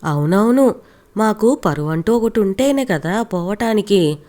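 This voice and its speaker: A woman voicing a loud, sarcastic young daughter-in-law who scolds her in-laws. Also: mid-range voice, animated, unhurried, natural voice.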